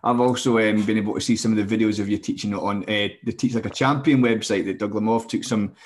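Scottish interviewer, lowish voice, polite, lots of ums and restarts. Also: male voice, steady tone, fast. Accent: northeast Scottish. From northeast Scotland. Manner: polite, hesitant, many fillers. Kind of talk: interview hosting.

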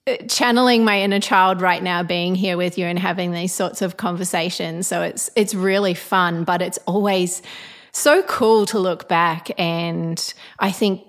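A woman's voice: lowish voice, fairly even intonation, a little slow. A woman in her late thirties from New Zealand with a blended New Zealand and Australian accent, a guest chatting casually and reflectively in a home kitchen, laughing often. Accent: New Zealand, with some Australian. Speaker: guest, architect turned business coach. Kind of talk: casual interview chat.

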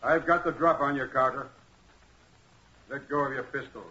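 An actor playing a smug, scheming villain in a 1940s radio crime drama, gloating deliberately with cool menace. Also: male voice, mid-range voice, fairly even intonation, bright, forceful tone, close to an everyday voice. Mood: menacing. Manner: smooth-talking, gloating, deliberate. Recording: muffled, dull vintage 1940s radio recording.

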